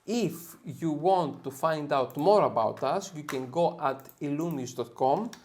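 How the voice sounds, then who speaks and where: A man's voice: fairly high pitch, animated, measured pace, darkish tone. Greek-accented man teaching photo editing. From Greece. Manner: upbeat, tags sentences with "okay?". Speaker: software tutorial host. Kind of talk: screen-share editing tutorial.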